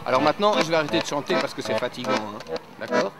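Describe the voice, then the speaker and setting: Over accordion music in the background, an accordion player with a mid-range voice talks fast and animatedly. He teaches an audience how the instrument works in a chatty, hands-on demonstration, frequently tacking "hein" onto the end of his sentences.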